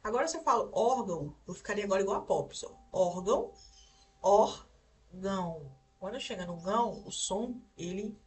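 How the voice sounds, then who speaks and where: A woman's voice: mid-range voice, animated, fast talker, few pauses, fairly bright tone, recorded from a distance. A young Brazilian woman teaching an online grammar lesson, explaining step by step and checking in with her listeners. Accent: Brazilian Portuguese.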